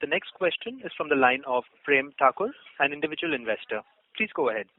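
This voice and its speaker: A man's voice: fairly high pitch, very animated, fast talker, dry recording. A man moderating a conference call with formal, polite, scripted announcements. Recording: dry, tinny phone line.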